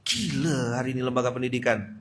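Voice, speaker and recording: A man's voice: mid-range voice, quick pace. A man preaching to a gathering, telling a funny story and acting out the voices in it. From Pontianak, Indonesia. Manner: humorous, acts out quoted voices, laughs often. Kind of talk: storytelling sermon.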